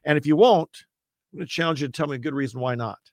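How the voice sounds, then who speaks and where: A man who is a campus evangelist, talking as a radio interview guest in a loud, earnest, emphatic preacher's voice, often restarting his sentences. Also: a little high, rapid-fire, no room sound, clean studio sound.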